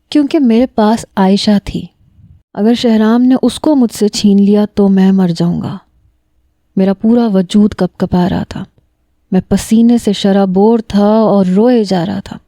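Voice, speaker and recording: A woman narrating a romantic story in the first person, steady and emotional. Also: medium pitch, no room sound.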